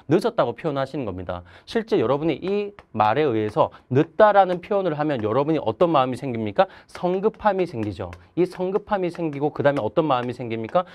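A man's voice: a little high, highs cut off. A man in his thirties, a mind coach, giving an earnest, emphatic motivational lecture to students, recorded on a lapel mic in a chalkboard studio.

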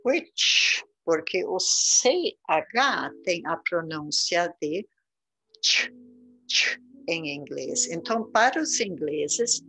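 On poor audio, a southern Brazilian woman with a gaúcho accent teaches beginners English pronunciation in a casual lesson. Her fairly low voice is animated, husky, pushed and bright, and she goes slowly and patiently, repeating every word for her learners.

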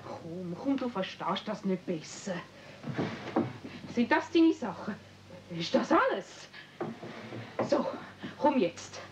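A woman's voice: medium pitch, big pitch swings, takes it slowly, long pauses. A woman playing a pushy, scolding aunt in a radio play, nagging insistently with a Swiss German accent. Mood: impatient. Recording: muffled, noisy old 1970s audio play recording.

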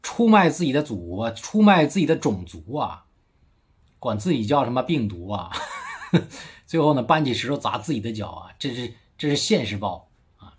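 A man from China delivers a casual political commentary into his phone, emphatic and mocking. His husky voice swings widely up and down as he leans on rhetorical tag questions. It sounds like a solo vlog recorded indoors. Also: mid-range voice, sing-song, normal speed.

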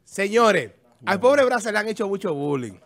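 A man hosting a casual gossip chat, animated and stammering. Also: high-pitched, moderate pace.

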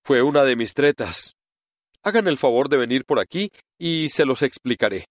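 A man's voice: mid-range voice, expressive, normal speed, no echo, pitched above the performer's own voice, natural voice. A man voicing a timid, bald old male wizard who is a fraud, speaking in a shaky, pleading voice. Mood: humble explaining. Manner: trembling, pleading voice.

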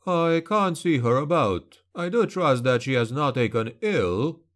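A man voicing an arrogant young nobleman bully in an audiobook, snarling and mocking with a slight drawn-out lisp. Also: mid-range voice, lightly acted.

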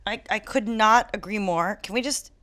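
A young adult woman hosts a casual, comedic conversation in a voice of middling pitch. She is playful and emphatic, often leaning into single words and spinning riffs off them. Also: normal speed, a bit bright. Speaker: host.

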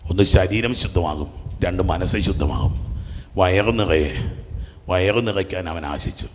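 A Catholic priest, preaching a fervent call-and-response sermon, repeating phrases, leading the crowd in shouts, and dropping to a hush. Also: male voice, deep voice, moderate pace. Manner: repetitive, urges the crowd to shout back, swings from loud to hushed. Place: large church. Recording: echoey church hall with background noise.

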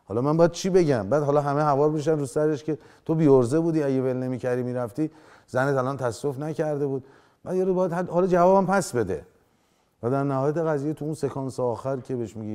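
An actor in his forties speaks in a mellow, medium-pitched voice as a television studio guest, recorded on a lapel mic against a dark set. He offers animated opinions, pressing his points with hand gestures and dramatizing the lines he quotes.

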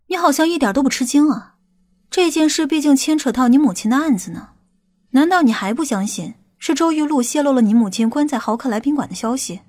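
Woman playing a high-voiced, stern female investigator. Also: expressive, fairly quick, a little mellow. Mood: knowing. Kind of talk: audiobook character dialogue.

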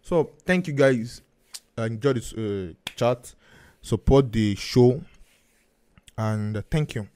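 A Nigerian-accented man hosts a podcast interview over a video call. His middle-pitched voice is smooth and a little mellow, but his speech is halting, full of restarts and fillers, and he keeps repeating "actually" and "honestly."

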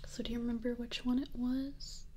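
A young woman in her twenties doing a whispered role-play as a face clinic worker, speaking softly, gently and reassuringly from a small bedroom. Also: fairly high pitch, flat delivery, a little fast, noisy background. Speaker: ASMR artist.

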